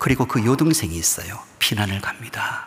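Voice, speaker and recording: In a Gyeongsang accent, a man talks at a moderate pace with lively intonation. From Busan, South Korea. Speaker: pastor. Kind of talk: sermon.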